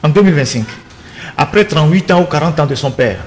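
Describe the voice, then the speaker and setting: Man, high and very animated voice; indignant commentator who hammers his points on a debate panel. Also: fast talker, a little hiss or hum. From Togo. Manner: indignant, insistent, repeats words while building a point. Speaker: political commentator.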